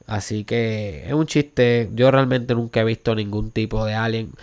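A man's voice: lowish voice, steady tone, measured pace, darkish tone, clean tone. A man from Puerto Rico with a Puerto Rican accent, hosting a motivational podcast monologue in an emphatic style, building to urgent questions and dropping English words into his Spanish. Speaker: podcast host.

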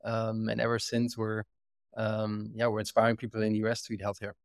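German-accented man, earnest and halting. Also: fairly low pitch, completely flat delivery, vocal fry, no room sound. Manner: earnest, many restarts and repeated words. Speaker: guest, company co-founder and CEO. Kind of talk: casual interview chat.

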